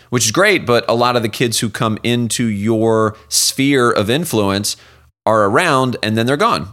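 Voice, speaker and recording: A man's voice: fairly low pitch, fairly bright tone, smooth. A man hosting an interview, affirming his guest and asking long, winding questions. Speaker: interview host. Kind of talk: casual interview conversation.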